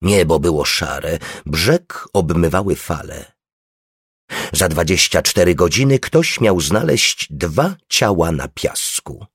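A man narrating an audiobook in a slow, measured reading voice, with a slightly husky tone. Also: low voice, expressive, no echo, studio quality.

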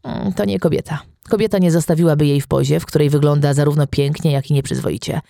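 A man's voice: fairly high pitch, fairly even intonation, quick pace, vocal fry, mellow, no room sound, studio quality. A man voicing a terse female police detective. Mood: certain. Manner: terse, clipped.

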